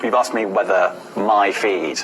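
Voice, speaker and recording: A man's voice: on the low side, measured pace. A British man working as a reporter in a live interview, defensive and stammering as he repeats himself. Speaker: broadcast reporter. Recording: noisy live interview recording.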